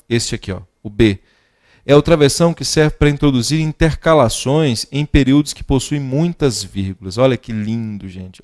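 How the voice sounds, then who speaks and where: A man's voice: medium pitch, a little mellow. A man teaching legal writing in an online grammar lesson. He explains emphatically, keeps asking rhetorical questions and answers them himself.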